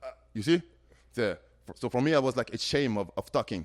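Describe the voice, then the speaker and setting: Speaking very fast with a French accent, this man has a medium pitch, and the very clean recording has a silent background and a dry, close sound with no echo. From France. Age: 40s. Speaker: bodybuilder. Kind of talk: casual chat. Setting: studio. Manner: halting, many fillers and repeats.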